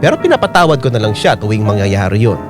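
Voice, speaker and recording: A man's voice: lowish voice, big pitch swings, quick pace, over music. An actor playing a lovestruck gay salon worker, narrating his own story in a confiding, earnest way for a radio drama. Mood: fond, wistful. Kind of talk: scripted first-person radio drama narration.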